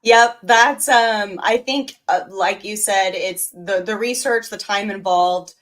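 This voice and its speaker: A woman co-hosting a live podcast, talking in a lively, animated way and reading out viewer comments. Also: mid-range voice, slow. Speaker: podcast co-host. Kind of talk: casual live podcast chat.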